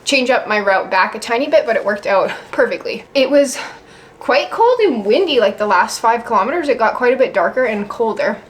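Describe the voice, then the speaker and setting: A woman's voice: fairly high pitch, expressive, fairly quick. A woman chatting casually to the camera as a vlogger, indoors at home. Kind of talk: casual vlog chat. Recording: light ambient background noise.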